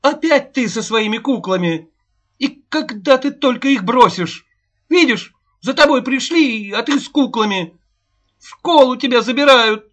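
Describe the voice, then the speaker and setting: A woman's voice: on the low side, lively intonation, slow pace, pitched above the performer's own voice. A man voicing a distraught peasant mother who is sick and bitter, pleading and wailing. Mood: shouting. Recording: dull lo-fi recording.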